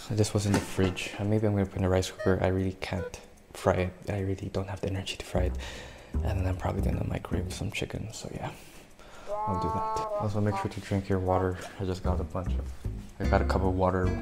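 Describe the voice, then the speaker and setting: Loud background noise fills the clip. A man talks over it at a very fast pace. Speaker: vlogger. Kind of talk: casual vlog chat. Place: kitchen. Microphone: camera far.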